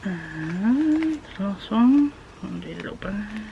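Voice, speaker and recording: At home, a woman vlogger walks through her grocery haul in a chatty, very animated way, taking it slowly with plenty of ums and drifting into soft half-whispers. Her mid-range voice is gravelly with a slight hay fever wheeze, and the recording has background noise and cut-off highs.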